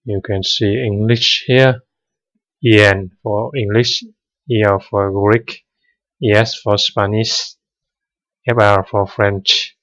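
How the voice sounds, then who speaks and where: A man whose first language is Vietnamese walks through code in a tutorial, pausing often and filling gaps with hesitant sounds. His voice sits fairly low and he speaks slowly. The recording is dry and a bit dull. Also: steady tone, fairly bright tone, no echo. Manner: hesitant, many "uh" fillers, unhurried. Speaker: programming tutor. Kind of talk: screen-recorded coding tutorial.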